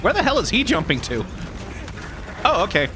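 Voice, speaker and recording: Animated man commentating over a game. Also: high-pitched, normal speed, background noise. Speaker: gaming video host. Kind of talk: casual let's-play commentary.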